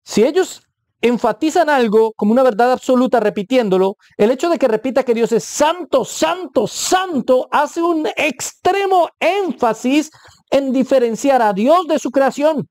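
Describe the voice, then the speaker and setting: A man's voice: very high voice, expressive, normal speed, a little mellow, no echo. A man, a preacher, giving a Bible teaching talk, stressing his points by repeating words and checking in with a questioning aside.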